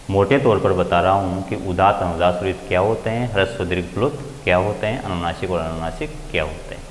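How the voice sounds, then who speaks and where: Male teacher, careful step-by-step lecture, roomy reverb, faint background hiss. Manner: explains step by step, raising pitch to stress key terms. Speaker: Sanskrit grammar teacher. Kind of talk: classroom lecture. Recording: echoey room with long reverb, faint ambient noise.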